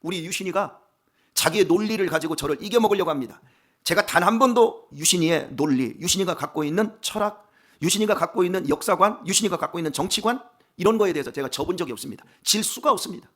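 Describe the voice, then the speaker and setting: A middle-aged man preaching at a dawn service in a church, his husky voice pitched fairly high and moving all over the place. He shifts between forceful declarations and soft, hushed storytelling asides. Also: animated, quick pace. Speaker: pastor. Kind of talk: dawn sermon. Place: church sanctuary.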